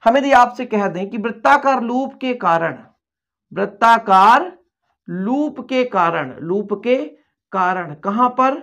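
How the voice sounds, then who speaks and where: A patient, repetitive coaching-class physics teacher. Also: male voice, very high-pitched, lively intonation, bright, forceful tone. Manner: repetitive, coaxing, addresses pupils as dear children; slowly dictates notes word by word. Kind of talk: Hindi-medium classroom lecture at a board.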